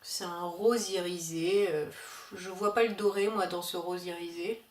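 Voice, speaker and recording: A woman's voice: on the low side, steady tone, a little slow, distant mic. Chatty woman in an echoey room. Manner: chatty, hesitant with many fillers. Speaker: beauty vlogger. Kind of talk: casual haul video chat.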